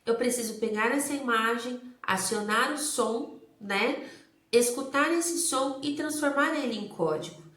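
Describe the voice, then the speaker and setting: A woman's voice: fairly high pitch, measured pace, a bit bright. Brazilian woman teacher lecturing in echoey room. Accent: Brazilian Portuguese. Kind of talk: recorded lecture on early literacy. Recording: roomy, echoey recording.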